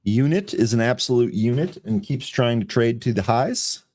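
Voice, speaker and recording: A man co-hosting a live trading show, calling out tickers and chart levels in brisk, quick succession. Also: medium pitch, very animated, darkish tone, dry recording, clean studio sound. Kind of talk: live market commentary.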